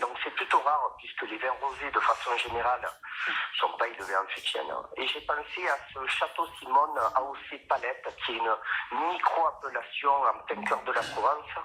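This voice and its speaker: A man talks at a moderate pace, and noticeable background noise is present. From southern France, Nîmes. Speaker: wine seller. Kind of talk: radio interview.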